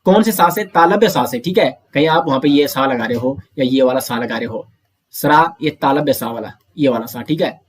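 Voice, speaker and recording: A man teaching an online grammar lesson, explaining step by step, asking questions and answering them himself, and saying sounds out slowly for pronunciation drills. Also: mid-range voice, husky. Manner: often addresses listeners as friends.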